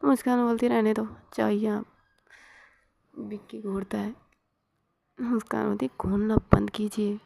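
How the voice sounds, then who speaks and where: A woman telling a romantic story in whispered role-play, voicing every character herself in a soft husky whisper. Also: medium pitch, flat delivery, measured pace, pauses often.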